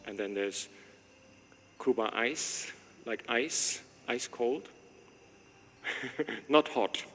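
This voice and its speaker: A monk welcomes visitors to his monastery, chatting casually, joking, chuckling often and asking questions. He speaks extremely slowly in a medium-pitched, slightly bright voice, with faint music behind him. The space is reverberant with faint ambience.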